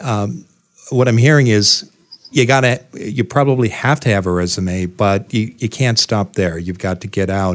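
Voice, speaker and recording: This man has a normal speaking voice, fairly low in pitch. His intonation is lively and his pace moderate. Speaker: podcast host. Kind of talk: podcast conversation and interview.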